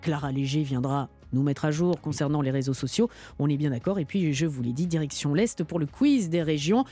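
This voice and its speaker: A woman's voice: deep voice, brisk, dark tone, breathy edge, faint music behind. A woman hosting a radio show, upbeat and teasing, laughing often with her co-hosts.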